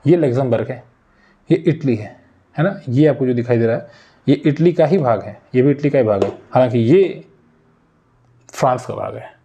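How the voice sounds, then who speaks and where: A man's voice: mid-range voice, lively intonation, moderate pace, pauses often, dark tone, dull audio. A man with a Hindi accent teaching an exam-prep geography lesson on a map, drilling country names again and again and speaking straight to his viewers.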